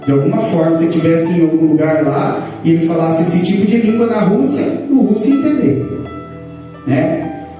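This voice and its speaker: A man with a Brazilian Portuguese accent teaching a sermon to his congregation, explaining points and pushing his pitch up for emphasis. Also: moderate pace, dark tone, soft background music. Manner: explanatory, rises in pitch to stress points, addresses congregation as brothers. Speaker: pastor teaching a church class. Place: church hall. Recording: echoey hall, picked up from a distance.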